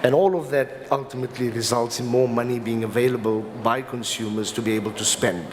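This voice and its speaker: A man with a South African accent giving an explanatory conference talk as a legal professional, in a halting, hesitant delivery with repeated words. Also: mid-range voice, fairly even intonation. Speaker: company lawyer speaking as a summit panelist. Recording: reverberant hall with clear background noise.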